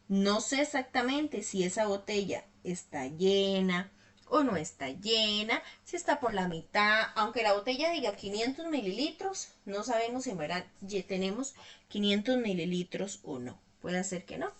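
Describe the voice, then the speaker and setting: A woman's voice: mid-range voice, a bit bright. A woman teaching an online English lesson, explaining patiently step by step and checking in often with her students.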